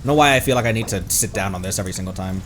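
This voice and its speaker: A man streaming a game, talking casually to viewers in an animated, rambling way and muttering to himself. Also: deep voice, rapid-fire, background noise. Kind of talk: casual livestream gaming chat with viewers.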